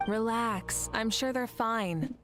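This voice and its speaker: A woman voicing a confident female leader in a game, with a calm, reassuring delivery. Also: a little high, takes it slowly, over music. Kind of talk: game voice acting.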